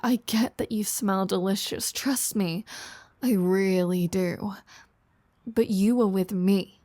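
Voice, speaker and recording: A teasing, sardonic vampire woman, played by a woman, talks straight to the listener in an intimate audio roleplay. She takes her time, with a casual, flirty manner and a mid-range pitch. The sound is very dry, with no room around it. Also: warm tone, no echo, close to an everyday voice. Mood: wry, indignant. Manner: teasing, casual, sardonic, with sighs and drawn-out phrasing.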